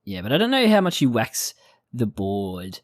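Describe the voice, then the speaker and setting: Very deep-voiced joking woman podcaster. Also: huge pitch swings, moderate pace, dry recording, clean studio sound. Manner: jokey, punning asides. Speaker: podcast co-host. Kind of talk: casual chat recapping an anime.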